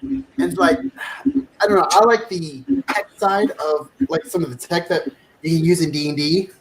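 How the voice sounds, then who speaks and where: A man's voice: fairly high pitch, normal speed, rough recording. A man in his thirties hosting a casual video-call chat, upbeat and chatty. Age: 30s. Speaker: host.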